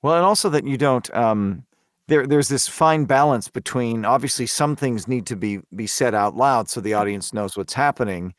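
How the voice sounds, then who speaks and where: A man talking casually and thoughtfully about voice acting, pausing to search for his words. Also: mid-range voice, no echo, clean studio sound. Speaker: voice actor on a horror audio drama. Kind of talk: casual behind-the-scenes discussion.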